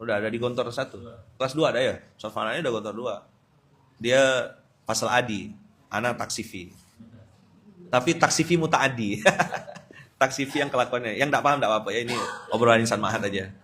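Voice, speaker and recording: A man's voice: mid-range voice, brisk, pauses often, a bit bright. A man preaching to a gathering, telling a funny story and acting out the voices in it. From Pontianak, Indonesia. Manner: humorous, acts out quoted voices, laughs often. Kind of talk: storytelling sermon.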